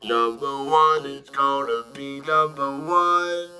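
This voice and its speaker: A woman's voice: low-pitched, slow, over music. A woman's voice delivering melodic lines from a song. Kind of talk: slow sung vocal lines from a song. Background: musical instrument playing.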